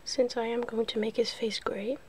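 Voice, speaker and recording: A woman hosting an ASMR video, softly whispering in a breathy, playful way as she talks through what she is doing. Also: on the high side, level tone, moderate pace, a little hiss or hum, rough recording. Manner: playful, giggly. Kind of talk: ASMR, softly narrating a face-paint makeover.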